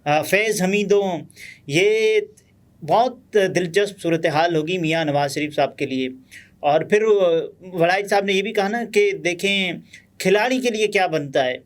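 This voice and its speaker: Pakistani urdu guy, highish voice, chatty news commentary, lots of "uh" pauses. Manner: conversational, many pauses and fillers.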